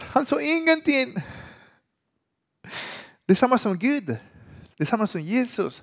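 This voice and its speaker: A man preaching a sermon through a story, telling it in an animated way with halting restarts. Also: very high-pitched, creaky.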